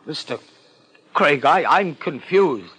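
A fussy, evasive gentleman in a 1950s radio mystery. He speaks in a slightly high, husky voice, choosing formal words and tripping over them nervously as he hedges. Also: lively intonation, slow, exaggerated voice, low-quality recording. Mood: anxious, hesitant. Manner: stammering, formal, hesitant. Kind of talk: 1950s radio drama acting.

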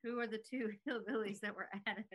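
A woman's voice: mid-range voice, steady tone, a little fast, very noisy. A woman from South Carolina with an American accent and a faint Southern trace, chatting casually as a podcast host. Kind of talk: casual chat.

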